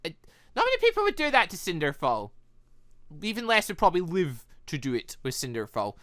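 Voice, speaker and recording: Animated, bright-voiced woman commentating on a game. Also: fairly low pitch, a little fast, dry recording, studio quality. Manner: animated, exclaiming reactions. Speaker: let's play host. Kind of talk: excitable video game commentary, reading dialogue aloud.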